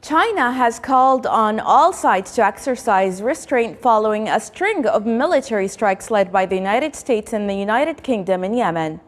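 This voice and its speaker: A woman's voice: fairly high pitch, expressive, normal speed, hardly any pauses, in a large hall. A woman news presenter reading a formal, scripted news bulletin.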